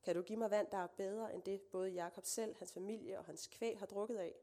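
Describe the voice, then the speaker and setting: Woman reading a surprised stranger at a well, questioning, slight rasp. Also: medium pitch, fairly even intonation, mellow, close to an everyday voice.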